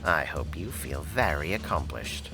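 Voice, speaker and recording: A man playing a fussy, self-righteous, officious man in an audio drama, pedantic and halting, repeating his words. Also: extremely low pitch, lively intonation, sharp tone, faint music behind, heavily acted. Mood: cold, condescending.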